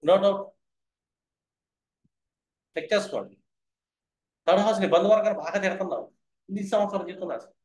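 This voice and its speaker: A man's voice: high voice, normal speed, long pauses, a little mellow, echoey room. A man teaching astrology in a lecture style, who keeps asking his listeners whether they have understood.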